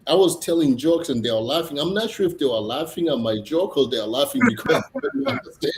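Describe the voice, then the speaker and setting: A man from Tanzania, a comedian chatting casually as a guest, halting, with many fillers and restarts. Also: fairly high pitch, sing-song. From Tanzania, East Africa. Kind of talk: casual interview chat. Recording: echoey room, faint noise.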